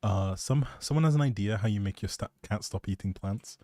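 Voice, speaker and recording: Low-voiced man rambling on a livestream. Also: a little fast, mellow, dry recording, studio quality. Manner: appreciative, chatty, thinking aloud. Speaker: live streamer. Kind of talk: casual rambling game stream chat.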